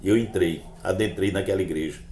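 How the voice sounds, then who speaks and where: A man's voice: deep voice, fast talker, echoey room, a little hiss or hum. A man, a chaplain telling his conversion testimony in sermon style and acting out the conversations. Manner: animated storytelling, acting out dialogue with raised voice.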